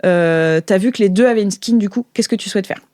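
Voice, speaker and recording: A woman's voice: medium pitch, fast, darkish tone, no room sound, studio quality. A woman improvises colloquial narration as game master, piecing sentences together hesitantly. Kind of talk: improvised narration of a tabletop role-playing game.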